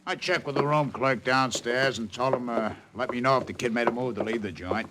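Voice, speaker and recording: An actor playing a streetwise, slangy private detective in a 1940s radio drama. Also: male voice, medium pitch, brisk, natural voice. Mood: wisecracking. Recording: noisy old radio transcription.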